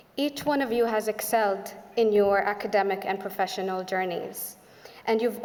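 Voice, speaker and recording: A woman's medium-pitched voice with an Arabic accent, fairly even intonation and a moderate pace, over noticeable background noise. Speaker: alumni speaker, government official. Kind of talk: formal speech. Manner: formal.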